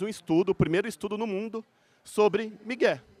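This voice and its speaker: A man talks with a strong Minas Gerais accent. The recording is very clean with a silent background. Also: dry, close sound with no echo. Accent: strong Minas Gerais (mineiro). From Minas Gerais, Brazil. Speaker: corporate culture consultant, founder. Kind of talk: conference talk. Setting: stage with audience.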